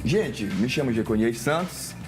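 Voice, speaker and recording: A man from Maranhão, a gospel singer guest on a studio talk show, relaxed and casual as he tells his story. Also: mid-range voice, a little slow, music in the background. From Maranhão, Brazil. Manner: relaxed storytelling, uses "galera" and "cara". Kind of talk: casual testimony interview.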